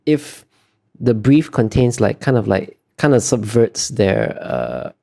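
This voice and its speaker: A man's voice: fairly low pitch, wildly swooping pitch, slow pace, vocal fry, mellow. A man being interviewed as an artist, talking casually and thoughtfully, feeling his way through explanations in trailing clauses.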